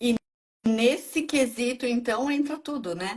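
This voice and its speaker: In a normal speaking voice, a woman talks fairly slowly at a fairly high pitch with ordinary pitch variation. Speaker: radio presenter. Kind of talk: interview. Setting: Instagram live video call.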